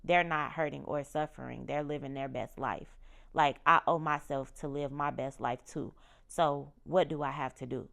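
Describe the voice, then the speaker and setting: A woman's voice: sits low, steady tone, moderate pace, gravelly, fairly bright tone. A woman in her thirties hosting a podcast, talking candidly and emphatically about her own growth, often repeating her key phrases. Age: 30s. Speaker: podcast host. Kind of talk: personal reflective monologue.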